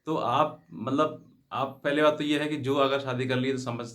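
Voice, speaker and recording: A man's voice: mid-range voice, fairly even intonation, normal speed, a bit bright. A man giving an explanatory legal advice talk to viewers, often rephrasing himself and glossing English terms in Hindi. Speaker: legal advice channel host.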